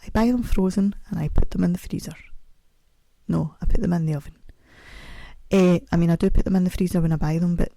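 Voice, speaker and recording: Talking fairly quickly in a deep, gravelly, dark-toned voice, a woman hosts a podcast at home with a self-mocking, chatty ramble, easing her words around a mouth still sore from the dentist. She sings little snatches now and then, and the audio-only clip carries no room sound.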